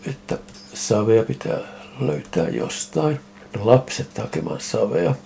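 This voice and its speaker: An older man, a ceramic artist, telling lively anecdotes in a casual interview and acting out the conversations he recalls. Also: medium pitch, creaky, a little hiss or hum. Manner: animated anecdotes, acting out quoted exchanges. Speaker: ceramic artist interviewed about his photos.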